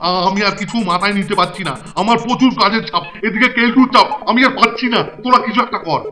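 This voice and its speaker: A man acts out a middle-aged cartoon hostel superintendent. He is flustered and gullible, stammers and repeats his words in bluster, over clear background music. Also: high-pitched, fast talker, natural voice. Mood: overwhelmed. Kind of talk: exaggerated children's cartoon acting.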